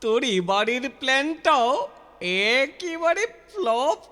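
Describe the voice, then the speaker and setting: Mischievous cartoon boy, teasing, high sharp voice, reverberant, music behind. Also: lively intonation, takes it slowly, a loud crowd, full character voice. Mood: gloating, spiteful. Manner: gloating, teasing. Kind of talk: children's cartoon dubbing.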